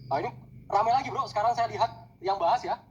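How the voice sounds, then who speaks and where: A man's voice: high voice, fast, lo-fi sound, a little hiss or hum. A man rattling off crypto trading calls in a casual podcast chat, mixing English trading jargon into his talk.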